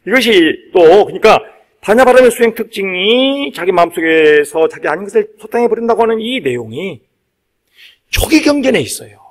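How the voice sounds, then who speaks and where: A man's voice: sits high, big pitch swings, normal speed. A man, a Buddhist monk, delivering a dharma talk in an emphatic, repetitive preaching manner with conversational asides to his listeners. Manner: emphatic, repeats key phrases for stress. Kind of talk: sermon.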